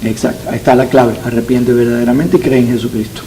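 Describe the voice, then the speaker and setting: A man's voice: medium pitch, fairly even intonation, fast, dark tone, a little hiss or hum. A man born in Cuba, a pastor teaching a Sunday school Bible class, earnest and repeating key phrases for emphasis.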